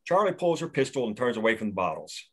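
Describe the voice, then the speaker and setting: A man reading the action lines of a screenplay aloud at a table read, steady and plain. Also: medium pitch, fast, slightly rough. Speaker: narrator reading stage directions.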